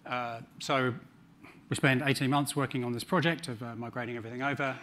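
A man's voice: mid-range voice, fairly even intonation, a little fast, fairly bright tone, a little hiss or hum. A middle-aged man with a New Zealand accent giving a conference talk on a large stage, with dry humor and frequent ums. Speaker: conference speaker.

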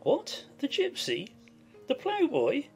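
A woman voicing a fastidious, peevish, disdainful young husband in a reading of a classic novel. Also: very deep voice, very animated, creaky, soft background music, voice pushed down, full character voice. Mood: surprised disdain.

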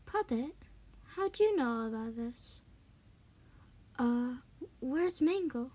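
A gentle animatronic chicken girl acted by a woman in a fan drama. Her voice is high, airy and soft, earnest and full of concern. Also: animated, takes it slowly, husky, full character voice. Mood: earnest, indignant. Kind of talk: amateur fan voice acting.

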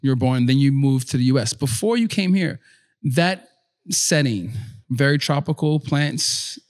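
Hosting a casual interview podcast, this man speaks at a measured pace in an expressive, medium-pitched voice. His questions are friendly and relaxed, and he often restates his guest's words.

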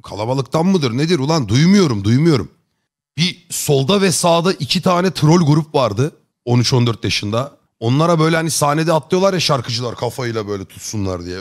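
A man's voice: mid-range voice, fast. A man streaming live and chatting casually with his viewers, joking and rambling in chummy slang. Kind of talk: casual chat.

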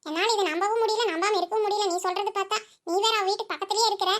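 A woman's voice: very high-pitched, steady tone, racing, fairly bright tone. Woman voicing a doubtful cartoon village woman. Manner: questioning, disbelieving. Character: doubtful village woman, questioning and defensive of her friend. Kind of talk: cartoon voice acting.

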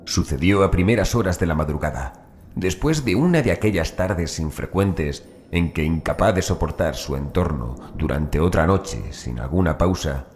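Very deep-voiced man narrating horror. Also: animated, moderate pace, a little mellow, slight background noise. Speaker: audiobook narrator. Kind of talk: scripted horror audiobook narration.

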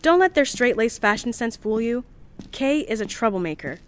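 A woman's voice: fairly high pitch, big pitch swings, moderate pace. An actress playing a chirpy, earnest, polite young woman on a science team, gushing and easily flustered, in an audio drama. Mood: fond, flustered. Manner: bubbly, gushing, hesitant when flustered. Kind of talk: audio drama, recorded diary.

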